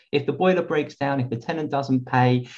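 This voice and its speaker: This man's somewhat breathy voice has a dark, mellow tone, moving at a fairly quick pace with ordinary pitch variation against a quiet background. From East Anglia, England. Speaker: property investor and author. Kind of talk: interview guest.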